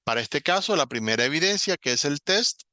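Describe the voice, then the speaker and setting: A man teaching an online English class, patiently explaining step by step and saying English words slowly as examples. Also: a little high, expressive, pushed and bright, no echo.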